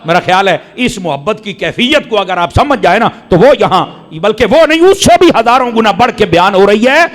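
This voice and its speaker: A man with a Pakistani Punjabi accent delivers a Friday sermon. His voice sits high and moves restlessly, dropping to hushed asides and then climbing into fervent exclamations. He speaks with the fervour of a preacher stirring his congregation. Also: expressive.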